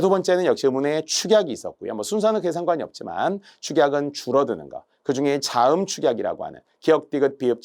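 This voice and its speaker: Middle-aged male instructor, exam-prep lecture, pitch rising and falling a lot, stresses his points. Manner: lively, emphatic lecturing with drawn-out examples. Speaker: Korean language instructor.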